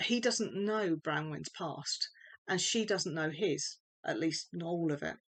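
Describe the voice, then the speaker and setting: With a southeast English accent, a woman speaks with ordinary pitch variation. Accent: southeast English (Kent). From southeast England, Kent. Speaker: author. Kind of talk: reading aloud. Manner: unpolished, non-performer reading.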